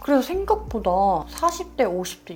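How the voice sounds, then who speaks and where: Over music in the background, a woman speaks at a fairly quick pace in an animated tone. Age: 40s. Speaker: beauty YouTuber. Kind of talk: casual vlog talk to camera. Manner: chatty, animated.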